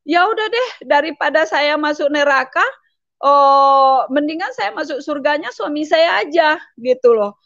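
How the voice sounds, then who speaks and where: A woman with a high voice tells her personal testimony in an emotional, halting way, often repeating phrases. The sound is dry and close, with a slightly dull, muffled tone. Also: creaky, fairly bright tone, no room sound. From Indonesia. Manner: emotional, repetitive, halting with fillers. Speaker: testimony speaker.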